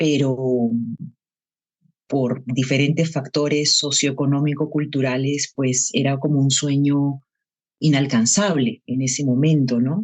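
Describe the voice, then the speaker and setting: This woman's pitch is very deep and low. She speaks at a very slow pace. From Peru, Lima. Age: 40s. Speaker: actress. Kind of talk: podcast interview. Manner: hesitant, many fillers.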